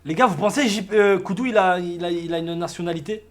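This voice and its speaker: A man's voice: high voice, fairly quick. A man bantering casually on a livestream, needling others with repeated questions. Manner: teasing, needling, repetitive questioning. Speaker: livestream co-host.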